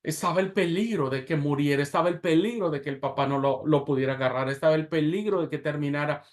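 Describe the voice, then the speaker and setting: A man teaching a class on expository preaching, telling a story dramatically with pauses and swings in loudness, then putting questions to the class. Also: fairly high pitch. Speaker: preaching instructor.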